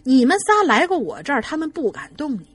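A woman voicing a brisk, self-assured old village spirit medium of about seventy. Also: high-pitched, huge pitch swings.

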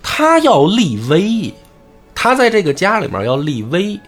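This male host has a high voice and speaks at a measured pace, with faint music in the background. Hosting a casual talk show, he explains a classic novel in an animated way, performing the voices of the characters he quotes.

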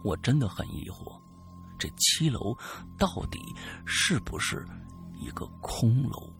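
A man co-hosting a podcast, reading a listener's ghost story aloud in a dramatic way that swings between loud and hushed. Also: on the high side, wildly swooping pitch, a little slow, gravelly, faint music behind. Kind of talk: spooky storytelling.

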